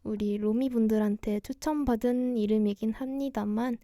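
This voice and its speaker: A young woman hosting a cozy radio-style livestream chat, speaking in a soft, gentle, quiet way. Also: fairly high pitch, fairly even intonation, normal speed, no room sound, studio quality. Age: young adult. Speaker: radio DJ host, idol singer livestreaming.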